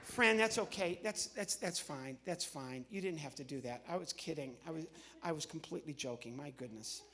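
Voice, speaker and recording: High-voiced middle-aged American comedian, a man. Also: moderate pace, background noise. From Midwestern United States. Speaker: comedian and entertainer. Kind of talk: live stand-up comedy patter to an audience. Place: on stage in a large church hall.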